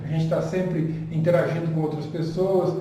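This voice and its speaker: A man's voice: a little high, flat delivery, moderate pace, crowd noise. A man talking as a guest teacher in a casual conversation, earnest and encouraging. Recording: echoey room, distant mic, faint noise.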